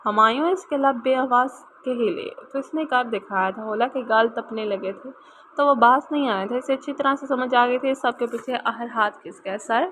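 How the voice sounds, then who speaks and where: A woman narrating a romance novel as an audiobook, steady and expressive. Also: a little high, normal speed, slight background noise, low-quality recording.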